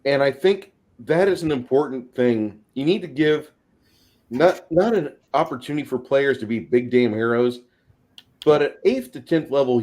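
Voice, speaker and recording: A man's voice: medium pitch, a little mellow. Emphatic, sweary man talking gaming. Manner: emphatic, profane, vivid storytelling. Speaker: podcast co-host and game master. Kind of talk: casual opinionated panel talk.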